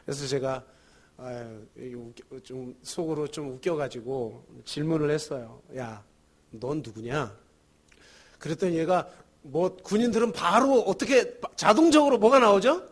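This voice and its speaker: A man's voice: a little high, moderate pace. A male pastor giving a Sunday sermon, telling a story with chuckles and building to emphatic preaching. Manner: storytelling with chuckles and acted quotes.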